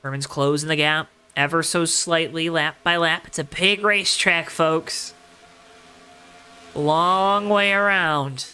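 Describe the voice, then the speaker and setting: This live race commentary is slow and steady, with a medium-pitched voice that sounds sharp yet clean in tone. Dramatic, emphatic repetition and colorful phrasing drive the play-by-play.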